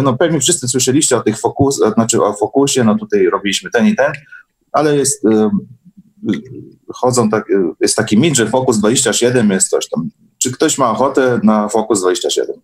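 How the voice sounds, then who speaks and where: A man with a lowish voice speaks as a guest in an informal chat. He recalls what he experienced, often halting to search for words. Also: rough recording. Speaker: guest sharing workshop experiences. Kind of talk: casual conversational recollection.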